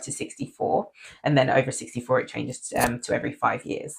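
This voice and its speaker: A woman is speaking. Her voice comes across somewhat breathy. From Nigeria. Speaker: midwife and podcast host. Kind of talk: casual interview. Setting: hair salon.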